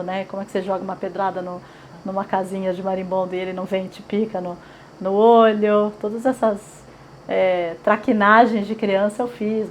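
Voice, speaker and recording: A chatty woman from São Paulo, Brazil, reminisces as the interviewee in an oral history interview, using frequent fillers and tag questions. She has a paulistano Brazilian Portuguese accent and a medium-pitched voice, with a little hiss or hum on the recording.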